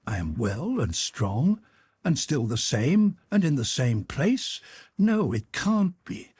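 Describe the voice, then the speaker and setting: A man's voice: mid-range voice, sing-song, slow, a little mellow, breathy edge, voice pushed up, exaggerated voice. A man reading the part of a young nobleman gambler, proud but desperate, questioning himself in anxious, pleading inner talk. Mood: anguished.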